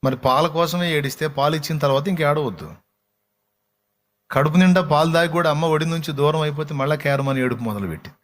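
A man's voice: a little high, fast. A male pastor preaching an impassioned sermon, asking his congregation questions.

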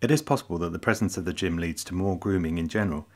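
Deep husky male documentary narrator. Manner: calm, measured explanatory delivery. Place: voice-over, not recorded in the pictured hive.

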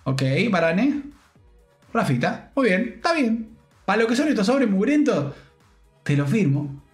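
A man's voice: high voice, measured pace, roomy sound, soft background music. Rioplatense guy hyped opening game packs. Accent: Rioplatense Spanish. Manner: animated, slangy, jokey, shouts with joy. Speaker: gaming streamer. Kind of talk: excited pack-opening commentary.

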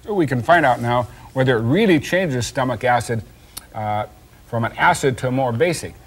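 A man's voice: mid-range voice, moderate pace, husky. Older guy doing a kitchen science demo for a kid, patient, explains step by step, teases a little, studio mic. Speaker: science show host. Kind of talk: demonstrating an experiment to a child. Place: indoor studio kitchen set.

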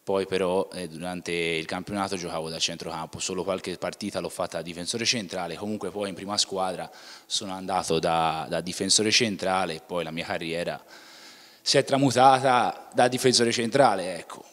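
A man's voice: low voice, fairly even intonation, moderate pace, fairly bright tone. A young man, a footballer answering interview questions plainly, often restarting and closing with "ecco". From Tuscany, Italy. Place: indoor club museum room. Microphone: handheld mic. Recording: room with long reverb.

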